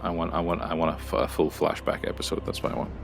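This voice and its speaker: Male voice actor guest, very deep, quick and eager. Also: little pitch movement, creaky, music in the background. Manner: eager, enthusiastic. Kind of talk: casual podcast interview.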